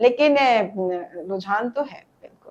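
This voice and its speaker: This woman's voice sits at a fairly high pitch with a dark, mellow tone. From India. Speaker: poet and journalist. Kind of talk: podcast interview answer.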